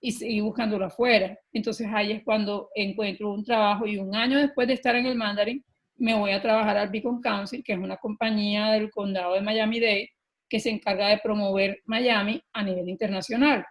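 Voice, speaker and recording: A middle-aged Colombian woman telling her own story as a podcast guest, earnest and animated, often pausing with filler words. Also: medium pitch. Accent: Colombian Spanish. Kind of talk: personal storytelling in an interview.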